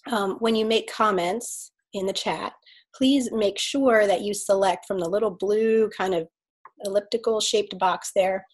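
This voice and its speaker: A woman's voice: medium pitch, unhurried, slightly rough. A woman hosting an online video call, welcoming attendees by name, her voice slightly scratchy from a cold. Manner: warm welcoming, reads out chat names. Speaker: host, life coach.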